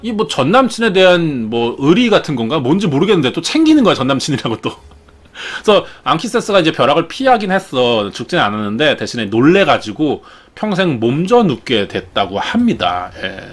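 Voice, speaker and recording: A man's voice: fairly high pitch, sing-song, brisk. A man retelling myths in a chatty, jokey, casual way as a show host. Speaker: storyteller host. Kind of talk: casual storytelling.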